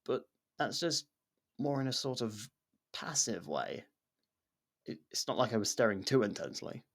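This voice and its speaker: A man's voice: mid-range voice, big pitch swings, moderate pace, vocal fry. A man acting a nervous, awkward, secretly obsessive young lover in an intimate ASMR roleplay, stammering and backtracking as he talks. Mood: flustered, defensive. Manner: stammering, hesitant, self-conscious, backtracking. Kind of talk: ASMR roleplay, intimate one-sided dialogue.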